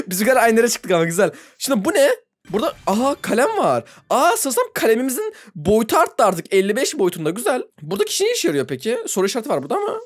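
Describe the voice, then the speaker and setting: A fast-talking young man giving playful gaming commentary. His voice jumps up and down in pitch, and he laughs a lot and shrieks at surprises. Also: huge pitch swings. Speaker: gaming YouTuber. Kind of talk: let's play commentary.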